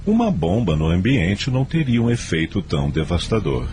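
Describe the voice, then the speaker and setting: A man narrates a radio drama in a low, deep voice. His scripted delivery is dramatic and animated, with soft music underneath. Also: normal speed.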